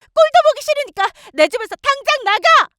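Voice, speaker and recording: A woman's voice: high voice, big pitch swings, a little fast, a bit bright, a little hiss or hum. A woman voicing a furious young new mother who scolds her in-laws sharply, in a dramatized radio story. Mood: enraged.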